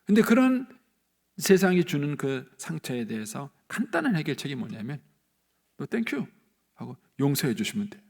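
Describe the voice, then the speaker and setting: A male pastor delivers a sermon in a church, his voice gravelly and slightly husky. He preaches in an animated storytelling way, acting out the people he quotes and leaping upward in pitch when he stresses a point. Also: brisk. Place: church sanctuary.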